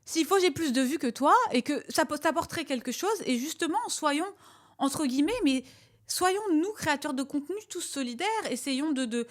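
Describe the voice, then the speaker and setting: A woman's voice: sits high, normal speed. A woman hosting a casual, opinionated podcast, speaking emphatically and repeating herself to drive points home. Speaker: podcast host and video content creator.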